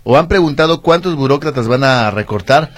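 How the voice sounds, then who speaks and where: A man's voice: medium pitch, lively intonation, fairly quick. A man with a Mexican accent co-hosting a radio show, playful and teasing. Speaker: radio co-host. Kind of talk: casual radio banter.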